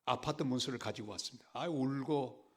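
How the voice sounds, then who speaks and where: An older man preaching a sermon, telling a story in an animated way with dramatic swings in pitch and loudness. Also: fairly quick, husky. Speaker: pastor.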